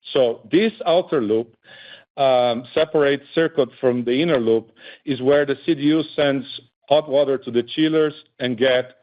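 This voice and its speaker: A man speaking as a company executive on an earnings call, explaining technical points methodically and listing them in simple terms. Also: mid-range voice. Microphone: conference call line. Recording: dull, lo-fi conference call audio.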